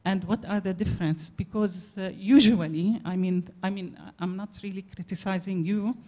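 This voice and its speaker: Mellow-voiced Palestinian woman asking a question. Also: mid-range voice, fairly even intonation, normal speed. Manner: hesitant, searching for words. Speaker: audience member asking a question. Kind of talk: conference floor question. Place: conference hall.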